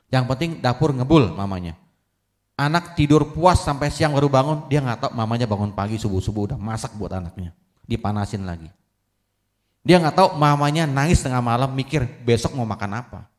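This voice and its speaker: A man in his forties giving a Buddhist sermon, who keeps asking his audience whether they agree. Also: mid-range voice. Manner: lively, keeps asking the audience "betul nggak?". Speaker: Buddhist Dharma speaker.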